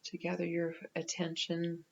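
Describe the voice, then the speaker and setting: A woman guides a meditation in a lowish, very even voice. She speaks gently and very slowly, leaving pauses between phrases. The recording sounds slightly muffled and lo-fi. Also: vocal fry.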